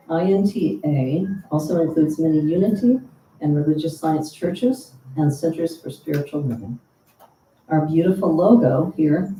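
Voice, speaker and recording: Mellow-voiced woman hosting a church service. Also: low-pitched. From United States. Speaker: service host. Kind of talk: church announcements and welcome. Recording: roomy, distant mic with faint hum.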